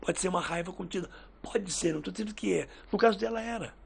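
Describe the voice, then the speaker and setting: Husky, gravelly man telling stories. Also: high voice, quick pace. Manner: lively storyteller who acts out quoted dialogue. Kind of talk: casual podcast chat, storytelling.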